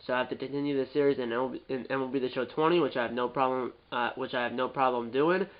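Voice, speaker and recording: A man's voice: mid-range voice, fairly even intonation, fast, lo-fi sound. A man with a stuffed-up nose from a cold, giving casual, rambling gameplay commentary and often repeating and correcting himself. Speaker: gaming YouTuber.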